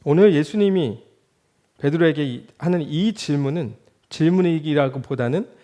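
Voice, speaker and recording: A man in his thirties preaches in a church, his voice sitting a little higher than most men's. He works as a junior pastor and keeps turning to the congregation with rhetorical questions. His loudness climbs for emphasis and falls back to a near murmur. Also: moderate pace. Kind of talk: sermon.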